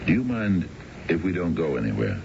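An American actor playing a self-indulgent middle-aged husband in a radio drama, with a gravelly voice. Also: male voice, deep voice, sing-song, a little fast, full character voice. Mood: genial, weary. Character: aging husband smitten with a younger woman, self-indulgent. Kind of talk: 1970s radio drama acting. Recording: dull, noisy old radio recording.

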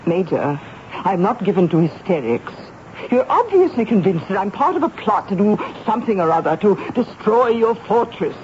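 A woman's voice: medium pitch, very animated, normal speed, darkish tone, natural voice. A haughty noblewoman of 1970s radio drama, acted by a woman, speaks with formal, cutting disdain. Her intonation swings widely, and the recording is dull with faint noise. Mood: cool indignation. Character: haughty, indignant English noblewoman, accused as a conspirator. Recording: muffled, lightly noisy 1970s radio recording.

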